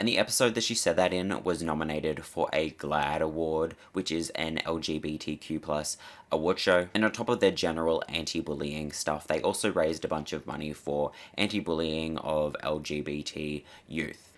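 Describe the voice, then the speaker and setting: Very deep and low, a man's voice with an Australian accent keeps a moderate pace with hardly any pauses and fairly even intonation, recorded very cleanly over a silent background. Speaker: YouTube commentator. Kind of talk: casual talk to camera.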